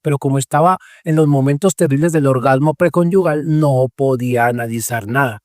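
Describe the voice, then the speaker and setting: A man's voice: mid-range voice, brisk, no echo, studio quality. A man hosting a Catholic radio show as a psychologist, talking about marriage therapy in an emphatic way, repeating words and asking rhetorical questions. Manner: acts out patients' voices in quotes.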